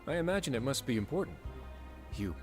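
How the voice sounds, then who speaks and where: An actor playing a composed, courteous duke with dry wit in a video game, speaking in a measured, formal way. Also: male voice, medium pitch, big pitch swings, a little mellow, close to an everyday voice. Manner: measured, formal, dryly polite. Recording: game music, keyboard clicks behind.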